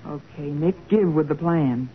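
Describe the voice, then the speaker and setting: A woman's voice: low voice, measured pace, narrow, tinny audio. A woman playing a perky young detective's assistant with a pert American delivery in a 1940s radio crime drama. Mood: pert, game. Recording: scratchy, thin 1940s radio recording.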